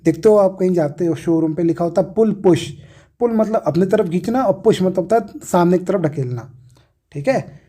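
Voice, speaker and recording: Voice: mid-range voice, normal speed, mellow. A teacher explaining a lesson, asking questions and answering them while repeating key words. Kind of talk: explaining an English reader lesson.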